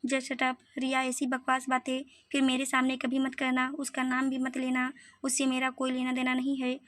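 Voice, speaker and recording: A woman's voice: sits high, monotone, normal speed, fairly bright tone. A woman reading a touchy young heroine. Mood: angry. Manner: tearful, touchy. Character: upset young woman who lost her job.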